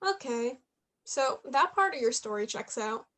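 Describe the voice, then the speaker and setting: A woman playing a high-voiced, inquisitive college girl. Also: lively intonation, a little slow, sharp tone, exaggerated voice. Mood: probing. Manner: chatty, teasing, probing. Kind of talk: staged reading of a play, naturalistic dialogue.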